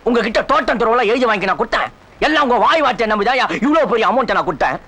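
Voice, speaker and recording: An actor playing a boastful comic village moneylender and doting brother in a film comedy, talking in a theatrical, bragging way. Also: male voice, very high-pitched, expressive, racing, bright, forceful tone, full character voice. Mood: threatening. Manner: theatrical, bragging, breaks into off-key song.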